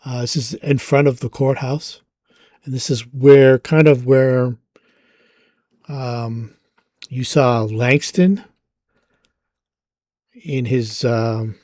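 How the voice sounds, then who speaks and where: Guy running a tabletop game, laid back and halting, dry close sound. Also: medium pitch, no echo. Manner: relaxed, halting with fillers. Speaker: game master.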